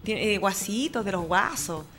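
A woman's voice: medium pitch, animated, normal speed, music in the background. A woman with a Chilean accent chatting casually as a guest in a radio interview. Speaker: interview guest, ranchera band member. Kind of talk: casual chat. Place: online radio studio.

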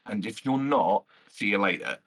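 A man, a loud and brash podcast guest talking passionately with lots of fillers and some swearing. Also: lowish voice, normal speed. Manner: animated, swears freely, many fillers. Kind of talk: passionate casual chat.

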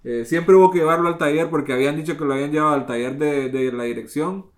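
A young man, a podcast host telling relaxed, slangy stories in casual chat. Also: fairly high pitch, fast talker.

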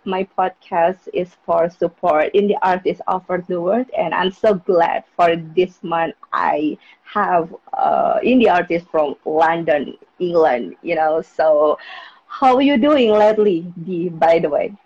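A woman's voice: on the low side, measured pace, a little mellow, slightly rough. A woman from Indonesia hosting a live podcast, speaking hesitant English full of fillers, with Indonesian as her first language. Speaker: podcast host. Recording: dull lo-fi sound.

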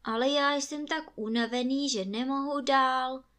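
Žena hrající horlivého mladého poutníka. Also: female voice, sits high, steady tone, fairly bright tone, voice pushed up. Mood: eager. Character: young wandering lad, eager and polite.

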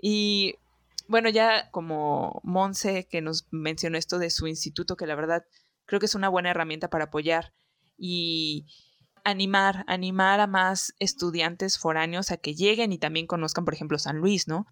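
A woman's voice: on the low side, fairly even intonation, normal speed, fairly bright tone, clear, resonant tone, no echo, clean studio sound. A Mexican woman from Veracruz hosting a podcast, chatting casually with plenty of fillers. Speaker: podcast host. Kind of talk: casual chat.

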